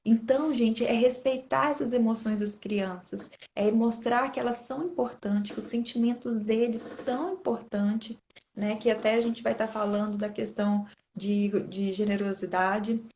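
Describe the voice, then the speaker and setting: Woman, Brazilian Portuguese accent, thirties, somewhat high pitch, chatty parenting talk, addresses audience directly. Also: steady tone, normal speed, a little mellow, slight background noise. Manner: chatty, keeps addressing listeners as "gente". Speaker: parenting speaker. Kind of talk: informal talk to an online audience.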